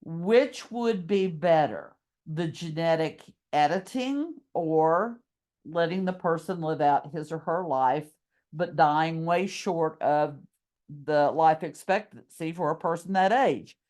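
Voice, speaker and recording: Middle-aged woman teacher, low voice, deliberate pace, slightly strained voice, walks through each step aloud. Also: a little mellow. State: losing her voice. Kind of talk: screen-recorded class tutorial.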